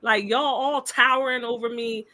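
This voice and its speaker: Young woman co-host, bright and forceful, laughs a lot, casual panel chat. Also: fairly high pitch, fairly even intonation, normal speed. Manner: laughs often, talks directly to the comments. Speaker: podcast co-host.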